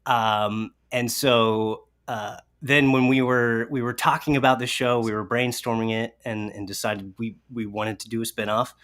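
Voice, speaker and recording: A man's voice: medium pitch, little pitch movement, normal speed, hardly any pauses, a bit bright. A man chatting casually as a guest co-host, in a playful, self-deprecating way. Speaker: guest co-host, writer and voice actor. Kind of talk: casual chat.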